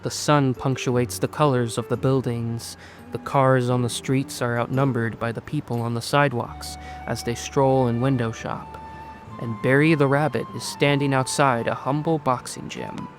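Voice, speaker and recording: A man narrates a scripted audio drama in a mid-range voice. He tells the story in the third person as an audiobook narrator, with music playing clearly behind him. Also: medium pitch, steady tone, normal speed. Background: music under the voice.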